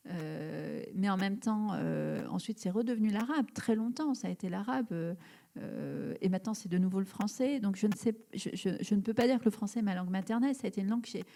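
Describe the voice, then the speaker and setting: A woman from Algeria in her thirties speaks as a guest at a public talk, thinking aloud with frequent pauses and restarted phrases. Her voice sits at a middling pitch with a soft, mellow tone. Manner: thoughtful, many fillers and restarts. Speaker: writer, interview guest. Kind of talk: live public interview. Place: event hall before an audience.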